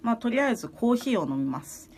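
A woman's voice: fairly high pitch, sing-song, fast talker, very noisy. A woman from Tokyo, a guest singer-songwriter, chatting casually and playfully with a close friend. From Tokyo, Japan. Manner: playful, laughs often, chatty. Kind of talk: casual chat.

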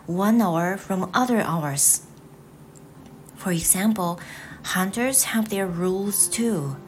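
A woman reading as a gentle wise fox, Japanese accent. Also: medium pitch, slight background noise, close to an everyday voice.

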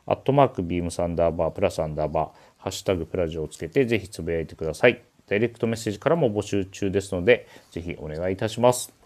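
A man's voice: low-pitched, rapid-fire, hardly any pauses, darkish tone. A man hosting a casual radio show, speaking politely with a teasing touch over a remote connection.

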